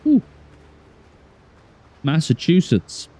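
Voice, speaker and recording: A man's voice: fairly high pitch, huge pitch swings, drawn-out words, warm tone, breathy edge. A man from Galway with a west of Ireland accent, chatting casually and commentating on his game as a livestreamer, musing aloud in an easygoing, wry way. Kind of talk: casual chat and gameplay commentary.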